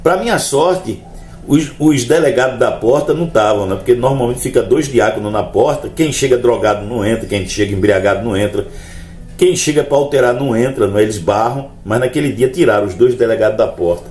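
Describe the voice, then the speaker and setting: A man telling his religious testimony to a congregation in an animated storytelling manner. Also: mid-range voice, fairly quick. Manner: animated storytelling, acts out dialogue in raised voices. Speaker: testimony speaker. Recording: roomy echo, faint music behind.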